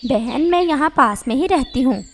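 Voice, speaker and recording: A gentle, motherly neighbor bird in a cartoon story, as a woman puts her on. She reassures and coaxes in a high voice. Faint noise sits behind her. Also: lively intonation, normal speed. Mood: polite.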